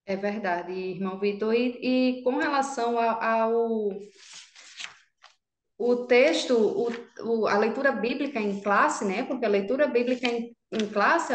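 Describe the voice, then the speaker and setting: A woman's voice: fairly high pitch, roomy sound, a little hiss or hum. A woman with a Brazilian Portuguese accent, co-hosting a religious teaching podcast, explaining earnestly and often checking in with "né?". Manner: earnest, explanatory, with many "né?" tags and restarts. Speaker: podcast co-host, Sunday school teacher. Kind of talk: casual religious podcast discussion.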